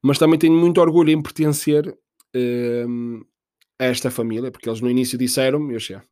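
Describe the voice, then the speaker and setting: A man with a European Portuguese accent talks through a podcast monologue, rambling and swearing as he jokes at his own expense. His voice sits at an ordinary middle pitch, and the recording is close and dry with no room sound. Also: fairly even intonation, brisk, mellow, no echo. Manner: rambling, profane, jokey, self-mocking. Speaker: podcast host. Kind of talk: casual comedic monologue.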